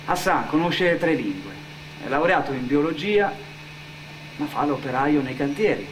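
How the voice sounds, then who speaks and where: An actor playing a sceptical, argumentative man in radio theatre, speaking in a measured way. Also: a little high, lively intonation, close to an everyday voice. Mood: sober, reflective. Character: sceptical Italian man debating with his immigrant friend, narrating. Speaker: actor and narrator. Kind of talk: radio theatre dialogue and narration. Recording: clear background noise.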